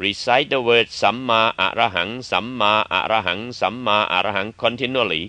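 A man with a Thai accent speaks in a calm tone at a medium pitch, with fairly even intonation, very even loudness and hardly any pauses. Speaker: Buddhist monk meditation teacher. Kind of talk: guided meditation and dhamma talk. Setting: temple. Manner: slow, calm, instructive pacing with repeated mantra phrases; formal, measured.

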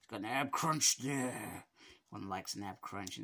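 Using a raspy put-on character voice at medium pitch, a man talks at a moderate pace with big swings in loudness. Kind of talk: casual review commentary.

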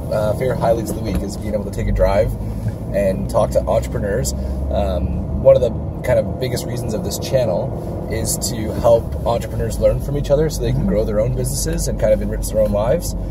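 Speech rushes by at a very fast pace over loud background noise. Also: man. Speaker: show host driving. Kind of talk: interview questions, casual chat. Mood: upbeat, friendly. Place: car. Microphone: phone near.

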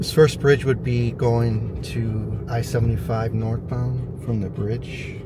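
A man speaks with music in the background. The sound is dry with no echo. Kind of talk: casual commentary. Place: car. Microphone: phone near.

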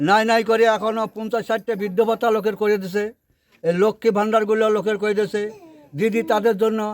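His pitch is high for a man. The man's intonation stays monotone and flat. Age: 70s. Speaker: elderly villager. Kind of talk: interview.

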